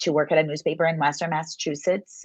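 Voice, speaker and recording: The speaker talks fairly quickly with a Portuguese accent. Pitch varies in an ordinary way. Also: woman. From Brazil. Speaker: author and journalism teacher. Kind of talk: interview conversation. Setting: video call.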